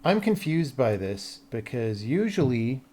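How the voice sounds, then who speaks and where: This livestreaming game developer sounds very animated yet unhurried, his mid-range voice warm. He chats casually as he works, thinking aloud and regularly muttering questions to himself.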